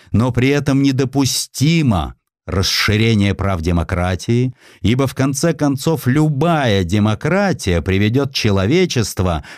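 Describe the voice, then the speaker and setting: A man's voice: mid-range voice, a little mellow, no echo, studio quality. A man voicing a proud, embittered, cynical ageing industrialist in a declamatory, emphatic way for an audiobook. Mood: scornful. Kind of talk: acted quotes in an audiobook.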